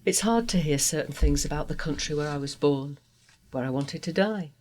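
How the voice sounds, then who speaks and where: A woman's voice: deep voice, a little mellow. Earnest trans woman from Guatemala. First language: Spanish. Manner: earnest, heartfelt, measured. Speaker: interview guest. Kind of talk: personal testimony interview.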